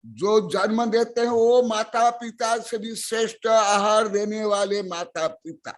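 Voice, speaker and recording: High-voiced, slow-paced man preaching. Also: steady tone. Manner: scolding, questioning the audience, bursts of loud emphasis. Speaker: Jain monk teaching scripture. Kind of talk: sermon to lay listeners.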